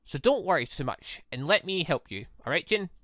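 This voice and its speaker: A man's voice: on the high side, big pitch swings, a little fast, pushed and bright, no echo, studio quality. A man voicing a kind, earnest, cheerful girl who is eager to help, in a visual novel. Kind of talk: reading a visual novel aloud.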